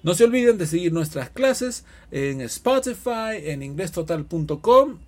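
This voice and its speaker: A male language teacher with a slightly raised, husky voice. He models short phrases slowly and deliberately, then explains them with lively, swooping intonation, often acting out both sides of a dialogue. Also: high voice. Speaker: English teacher. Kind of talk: bilingual language lesson.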